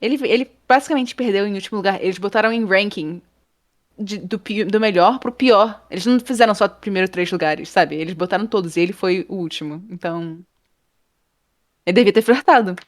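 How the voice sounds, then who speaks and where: A woman, a guest in an interview, telling a story in a casual, animated way and acting out the people in it. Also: medium pitch, a little fast, no echo, clean studio sound. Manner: animated, acts out quoted people, laughs often. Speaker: interview guest, game art professor.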